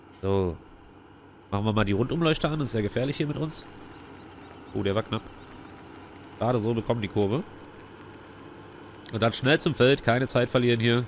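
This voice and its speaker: Fairly quick male speech at a medium pitch, ordinary pitch variation, and long, frequent pauses. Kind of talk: casual let's play commentary.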